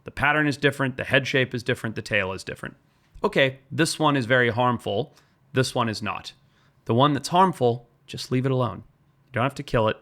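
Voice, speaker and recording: Man from zimbabwe, gravelly voice, wildlife biologist, earnest storytelling. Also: medium pitch, fairly quick, a bit bright. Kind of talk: podcast interview talk.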